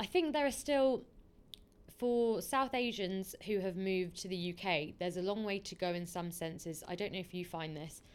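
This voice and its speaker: The speaker has a British accent and lively intonation. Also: woman, medium pitch for a woman, moderate pace. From UK, British-born of Indian descent. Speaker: podcast host. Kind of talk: casual chat.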